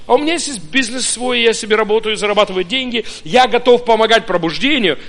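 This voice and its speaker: A pastor from Ukraine preaching a sermon, telling his own story in an animated way with many hesitant fillers. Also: sits high, fast talker. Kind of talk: sermon with personal testimony.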